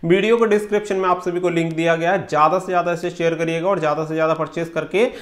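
Male exam coach, thirties, high-pitched voice, instructional delivery with English words mixed in. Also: fairly even intonation, very fast. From India. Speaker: exam-prep coach and channel host. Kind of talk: explanatory talk to camera for exam candidates. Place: small room indoors.

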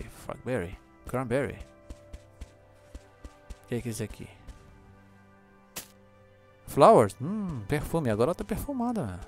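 A Brazilian man giving excited gameplay commentary, yelling, cursing and switching into English to talk with other players. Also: mid-range voice. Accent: Brazilian Portuguese. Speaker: gameplay streamer.

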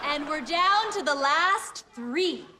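A bossy sitcom contest hostess with a high, swooping voice. She announces with dry sarcasm in a noisy, crowded room. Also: expressive, slow. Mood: brisk, dry. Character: dry, bossy woman hosting a children's party contest. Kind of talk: family sitcom acting. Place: busy indoor party room set.

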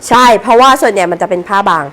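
A Thai woman selling clothes on a live stream in a chatty promotional pitch, with sweet polite address to customers. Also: very fast, a bit bright, a little hiss or hum. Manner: sweet polite particles, addresses customers as older sister and mother. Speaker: live-stream seller of secondhand clothing bales.

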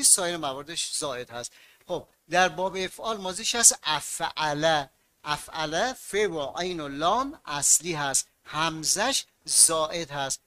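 Male teacher, higher-pitched and bright; drills verb patterns rhythmically and quizzes students. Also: dry recording. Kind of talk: classroom grammar lesson.

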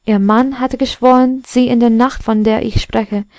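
A woman's voice: on the high side, steady tone, normal speed, darkish tone, no echo, close to an everyday voice. A woman voicing a vain old brass candlestick telling a tale in a storybook reading. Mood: proud. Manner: self-important storyteller.

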